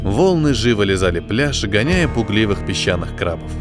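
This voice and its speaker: A man narrating a science fiction story in an audiobook, with expressive, scripted delivery. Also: on the low side, moderate pace. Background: background music.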